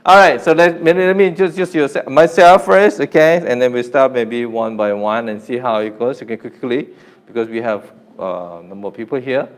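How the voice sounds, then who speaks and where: Young Korean man, smooth clear voice, energetic teacher pushing a beginner class to speak up. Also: mid-range voice, moderate pace. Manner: energetic, coaxing the class to repeat louder; informal, repeats himself and restarts often. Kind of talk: live online beginner class.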